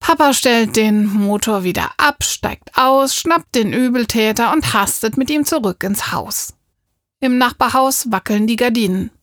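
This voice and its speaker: A woman reading a children's audiobook as scripted narration, measured and clear, on a close microphone. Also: fairly high pitch, dry recording. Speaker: audiobook reader.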